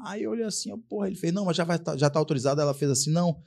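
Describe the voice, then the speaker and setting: A fast-talking man from Brazil, guest on a relaxed podcast. He tells stories with a lot of energy, acts out other people's lines and curses often. His voice sits a little high for a man. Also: vocal fry. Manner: animated storyteller acting out dialogue, swears freely. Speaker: guest, police sergeant. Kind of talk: casual podcast chat, storytelling.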